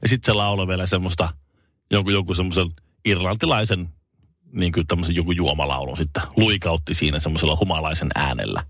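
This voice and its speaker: A husky-voiced man co-hosts a casual chat show, recorded dry with clean studio sound. He's an animated storyteller who hesitates with fillers and suddenly jumps into high comic voices.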